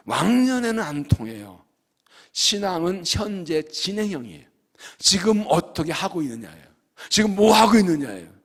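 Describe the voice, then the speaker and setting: A middle-aged male pastor preaching a sermon, swinging between loud exhortation and hushed asides as he acts out dialogue. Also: a little high, slightly rough. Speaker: senior pastor. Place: church sanctuary. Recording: long hall reverb.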